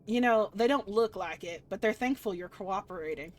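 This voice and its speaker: A woman voicing a big, teasing older-brother god in a visual novel, relaxed and familiar. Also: mid-range voice, moderate pace, close to an everyday voice. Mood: easygoing.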